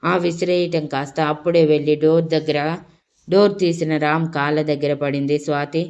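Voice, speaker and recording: A woman storyteller reading a romance story aloud in a steady, expressive way. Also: low-pitched, a little fast, lo-fi sound.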